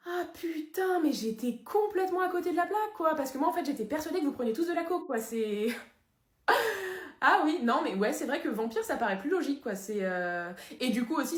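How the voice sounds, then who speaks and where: Lady doing a ditzy blunt young woman, highish voice, echoey. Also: lively intonation, a little fast. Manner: offhand, blunt. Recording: roomy echo.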